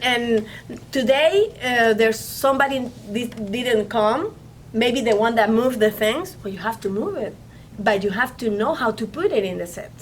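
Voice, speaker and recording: Venezuelan lady talking about her producer job, kinda high voice, stops n repeats a lot, faint rumble behind. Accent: Venezuelan Spanish. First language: Spanish. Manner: halting English with many restarts and repeated words. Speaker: film producer guest. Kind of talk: casual interview talk. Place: studio.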